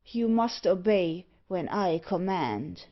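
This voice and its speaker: A woman voicing a commanding, menacing male villain who speaks in a slow, imperious way. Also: fairly low pitch, animated. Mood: stern, menacing. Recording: dull, lo-fi audio.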